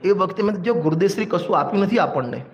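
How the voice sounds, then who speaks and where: Gujarati accent guy preaching, pretty high voice, keeps quizzing the crowd and telling little stories. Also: lively intonation, quick pace. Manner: exhorting, storytelling with everyday examples, asks listeners questions. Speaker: pandit giving a religious discourse. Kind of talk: sermon. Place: religious hall.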